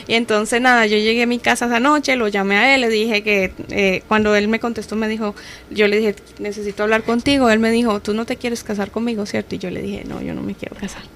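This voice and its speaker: A woman's voice: on the high side, flat delivery, a little fast, fairly bright tone, a little hiss or hum. A woman with a Colombian accent telling her personal testimony as a guest on a radio programme.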